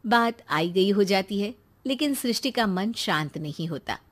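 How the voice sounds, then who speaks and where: A woman narrating a cartoon story in a plain, steady storytelling voice. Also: mid-range voice, measured pace.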